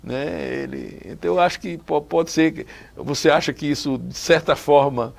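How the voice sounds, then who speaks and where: Talk show host, man in his sixties, gravelly, chatty, studio interview. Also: fairly high pitch, normal speed. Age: 60s. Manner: chatty, restarts often, asks follow-up questions. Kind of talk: casual interview chat.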